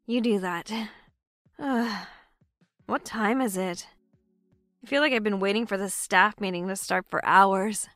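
A woman's voice: medium pitch, a little slow, pauses often, fairly bright tone, no echo, soft background music, natural voice. An actress playing an anxious, earnest young woman in an audio drama. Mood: downcast.

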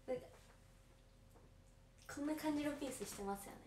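A woman's voice: high-pitched, a little fast, mellow. Kansai teen girl reading fan comments on her stream, kinda echoey room, faint noise in the back. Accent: Kansai Japanese. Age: late teens. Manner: chatty, reads viewer comments aloud and answers them politely. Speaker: idol audition candidate livestreaming to fans. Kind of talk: casual livestream chat. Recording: roomy, faint background noise.

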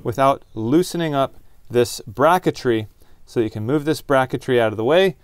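A man's voice: mid-range voice, animated, moderate pace, smooth, no room sound, clean studio sound. A man hosting a DIY car repair video, explaining each step in plain words as he works with his hands. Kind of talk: hands-on tutorial narration, talking while working.

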